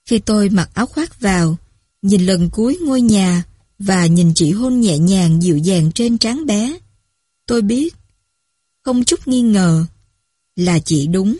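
A woman narrating a story in a measured, even reading voice. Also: medium pitch, slightly rough, no echo, clean studio sound.

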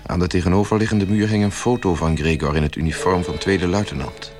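Deep-voiced male narrator over music. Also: fairly even intonation, a little fast. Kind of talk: scripted literary narration.

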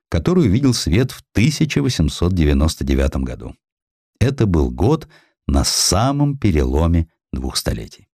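A man narrates a historical sketch in a very low voice. His delivery is theatrical and highly animated, swinging widely in pitch. The sound is dry and close, with hardly any room. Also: no room sound. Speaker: audiobook narrator. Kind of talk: expressive dramatized reading of historical sketch.

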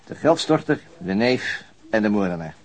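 A man's voice: fairly low pitch, very animated, moderate pace, rough recording. An actor playing a dry, pensive male police detective in a radio play, speaking in a matter-of-fact, musing way. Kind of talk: naturalistic radio play dialogue.

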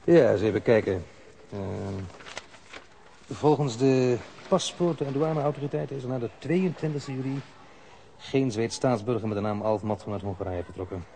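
Actor as a polite, officious police official, faint noise. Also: male voice, mid-range voice, normal speed, dark tone, natural voice. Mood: guarded, officious. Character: courteous, evasive Hungarian police official, matter-of-fact. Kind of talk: Dutch radio play acting.

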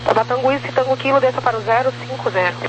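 An air traffic controller with a Brazilian accent gives clipped, procedural clearances over the radio. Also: high voice, quick pace, dull audio. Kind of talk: radio callout of aviation clearances. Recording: noisy humming air-band radio transmission.

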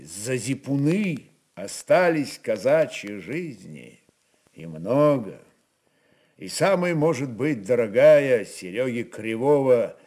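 A man narrating historical fiction in a dramatic, deliberate style with weighty pauses. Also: medium pitch, darkish tone.

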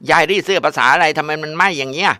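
Guy doing a whiny spoiled teen girl, high and loud, crisp dry sound. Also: fast, dry recording. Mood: scornful shouting. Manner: whiny, shouting insults. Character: spoiled rude teenage girl, shrill and bratty.

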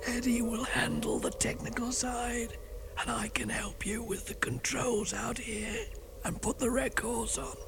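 Lost-voice DJ, hoarse gravelly whisper, lively and urgent, as a reader puts him on, music underneath. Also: male voice, extremely high pitch, a little slow, hardly any pauses, noisy background, voice pushed up, exaggerated voice. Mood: pleading whisper. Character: radio DJ who lost his voice, man, hoarse whisper.

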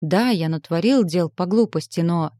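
A woman reading the lines of a quiet, guarded young man in a calm, restrained manner. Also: on the low side, moderate pace, no room sound, studio quality, lightly acted.

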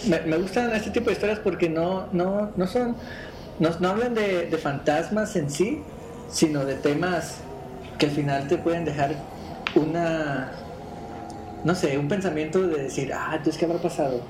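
A man's voice: on the high side, normal speed, noisy background. A man hosting a podcast, chatting casually and reading stories aloud. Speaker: podcast host.

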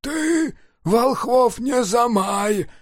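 A man voicing a stubborn peasant carver in a storybook who has shouted himself hoarse and wheezes high and strained. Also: unhurried, no room sound, studio quality. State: hoarse, voice worn out.

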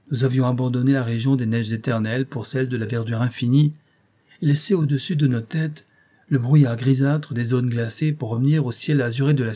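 A man's voice: mid-range voice, mellow. A man narrating a classic adventure novel as an audiobook, reading expressively and lifting his voice for quoted dialogue.

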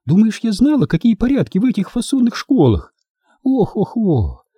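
A man putting on a shrill fussy old granny. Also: wildly swooping pitch, moderate pace, dark tone, slightly rough, no echo, full character voice. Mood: grumbling. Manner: shrill and exclaiming. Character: fussy excitable old grandmother.

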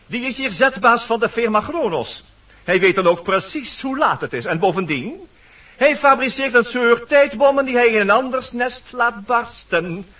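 An actor playing a fussy, officious woodpecker master of ceremonies in a Dutch radio play, formal, pompous and easily exasperated. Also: male voice, very high voice, lively intonation, normal speed, pushed and bright, far from the mic, highs cut off, full character voice.

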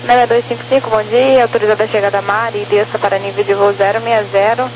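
A woman's voice: medium pitch, steady tone, quick pace. A Brazilian woman working as an air traffic controller, giving procedural instructions over aviation radio.

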